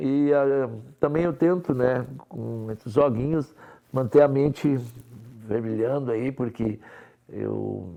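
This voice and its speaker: With a southern Brazilian accent, a man speaks at a fairly slow pace in a dark, mellow tone at medium pitch. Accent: gaúcho Brazilian Portuguese. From southern Brazil, Rio Grande do Sul (Novo Hamburgo). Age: 60s. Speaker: city councillor. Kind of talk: interview.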